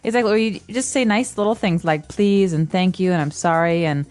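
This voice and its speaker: A woman's voice: lowish voice, a little fast, darkish tone. A woman co-hosting an English-learning podcast, explaining phrases casually with everyday examples and acted-out sample lines. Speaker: podcast co-host, English teacher. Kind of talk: casual teaching chat.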